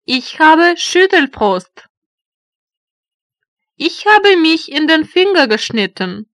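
A woman reads out short German phrases for learners, each one spaced out and repeated. Her voice sits high and bright, with a lively rise and fall. The recording is dry and close. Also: no echo. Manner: deliberate, each phrase read twice. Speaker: German language teacher voice. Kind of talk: slow phrase drills for learners.

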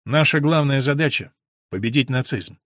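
A man's voice: medium pitch, moderate pace, fairly bright tone, dry recording, studio quality, lightly acted. A man voicing an earnest young recruiter. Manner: earnest, persuasive.

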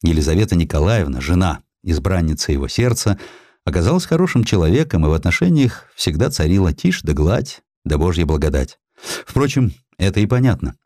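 A man reading a historical literary sketch in an expressive storytelling manner. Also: low-pitched, fairly quick, dry recording, studio quality. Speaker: audiobook narrator.

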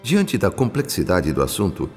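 A reverent spirit narrator in a Brazilian radio drama. His voice is very low and speaks in formal, measured phrases, with long reverb and music behind it. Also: wildly swooping pitch, a little mellow. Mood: solemn, reverent. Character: earnest, reverent male spirit recounting his journey. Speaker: narrator character.

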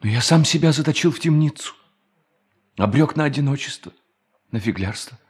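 An actor playing a bitter, lonely bank thief in hiding, in a theatrical radio play monologue that moves between muttering and solemn declamation. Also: male voice, medium pitch, lively intonation, normal speed, breathy edge. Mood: anguished. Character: brooding fugitive bank thief, bitter, lonely, self-tormenting man.

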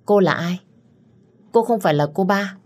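A woman's voice: medium pitch, normal speed, darkish tone, pitched above the performer's own voice, lightly acted. A woman voicing a polite, timid young blind bride who speaks up anxiously. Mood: alarmed.

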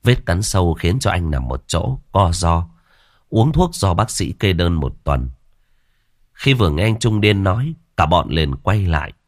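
Deep-voiced man telling a ghost story. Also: sing-song, a little slow, no room sound, studio quality. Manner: vivid, colloquial telling.

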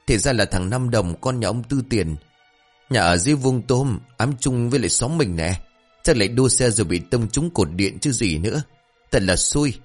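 A man's voice: mid-range voice, close to an everyday voice. A man voicing a bold, gossipy village woman who scolds with a shake of her head.

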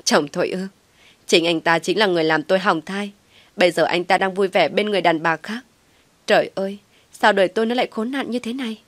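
A woman voicing a distraught young mother who cries out in shrill outbursts. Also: fairly quick, no room sound, close to an everyday voice.

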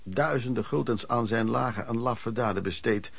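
Mid-pitched storyteller recalling his youth. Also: normal speed, vocal fry, fairly bright tone, dry recording. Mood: storytelling. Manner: conversational storytelling. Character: former street peddler recounting his youth, frank. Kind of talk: first-person radio play narration.

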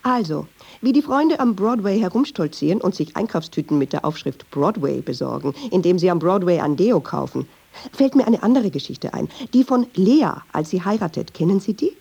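A woman's voice: fairly low pitch, lively intonation, normal speed, vocal fry, mellow, husky, full character voice. An actress playing a chatty, ironic Jewish woman who tells restless, digressive, insistent stories in a radio drama. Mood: wry, insistent. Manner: wry, digressive, insistent storytelling. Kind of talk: radio drama monologue in dialogue.

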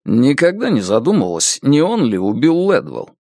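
A man voicing an unsmiling detective in an audiobook, speaking calmly and bluntly. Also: medium pitch, normal speed, no room sound, studio quality. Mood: relentless. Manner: calm, level, unsmiling. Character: blunt calm male detective, unsmiling, relentless.

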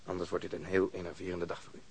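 An actor playing a blunt, stubborn, sardonic police detective interrogating someone in a radio drama. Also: male voice, low-pitched, little pitch movement, very fast, breathy edge. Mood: stubborn, menacing.

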